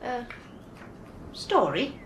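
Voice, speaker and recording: A woman's voice: on the high side, wildly swooping pitch, drawn-out words, fairly bright tone, heavily acted. A Welsh housekeeper in a radio play, deferential but evasive. Her delivery is hesitant, with widely moving intonation. The recording is roomy and quite noisy. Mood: evasive, uneasy. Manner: hesitant, reluctant. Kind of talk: radio drama acting.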